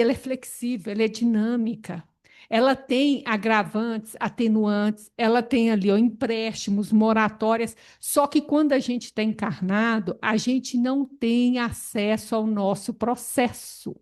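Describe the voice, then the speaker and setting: A woman, leading a spiritist study group in an animated, expressive way. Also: fairly high pitch. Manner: animated, expressive, laughs often. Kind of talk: spiritist Bible study talk.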